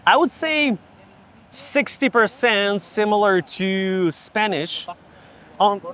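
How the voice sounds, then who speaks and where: A man from Ukraine, chatting casually and explaining things slowly while he walks outdoors, laughing often. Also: high-pitched, animated, bright, forceful tone, clean tone. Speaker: vlogger and English tutor. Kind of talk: casual chat while walking. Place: outdoors in a city street.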